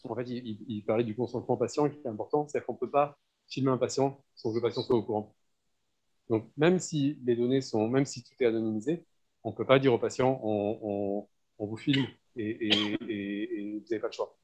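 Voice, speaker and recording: Mellow French man, muffled lo-fi sound. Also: medium pitch, fast talker, breathy edge. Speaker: moderator and interpreter. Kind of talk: relaying questions and explaining informally. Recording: dull, lo-fi audio.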